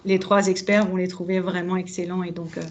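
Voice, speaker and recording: A woman's voice: on the low side, flat delivery, fairly quick, noisy background. A woman, speaking as an expert evaluator in a webinar, explaining steadily with some fillers. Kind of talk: webinar discussion.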